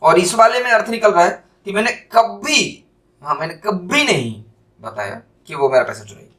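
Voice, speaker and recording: A man giving a spoken lesson on communication, stressing single words and drawing out example sentences slowly. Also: sits high, lively intonation, sharp tone. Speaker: teacher.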